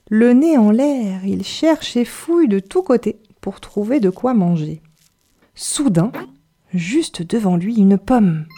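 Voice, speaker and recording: A woman reading a children's story aloud, slow and expressive, savoring each word. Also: mid-range voice.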